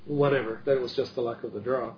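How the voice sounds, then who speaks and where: A man's voice: mid-range voice, steady tone, quick pace. Middle-aged man from the Czech Republic, earnest co-host, emphatic with restarts; dull recording with faint hiss. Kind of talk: casual discussion. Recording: dull lo-fi audio with faint noise.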